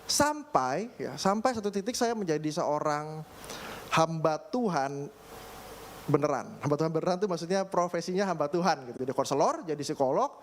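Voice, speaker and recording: A young man, a pastor, preaching a casual, storytelling sermon with lots of filler phrases and throat clearing. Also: fairly high pitch, animated, normal speed. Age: young adult. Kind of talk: conversational sermon. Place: church. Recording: faint background noise.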